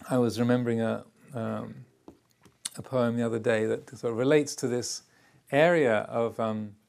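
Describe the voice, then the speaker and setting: An older Buddhist teacher gives a calm dharma talk to a retreat group in an ordinary male pitch with a gravelly edge. Halting and reflective, he hesitates often, pausing and restarting phrases as he thinks aloud.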